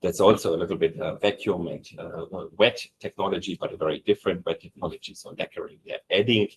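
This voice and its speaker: A low-pitched man walks listeners through business updates on an earnings call, hesitating between phrases with frequent fillers. A faint hiss sits under his voice. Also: steady tone. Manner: halting, many fillers and pauses. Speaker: company executive presenting results.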